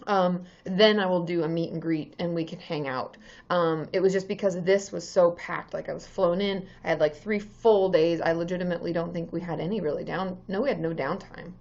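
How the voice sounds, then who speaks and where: A slightly hoarse woman in her thirties, a therapist, talks casually on a live stream, with many ums as she greets viewers by name. Her fairly low voice is steady in tone, a little fast, and a little mellow. The audio is dull.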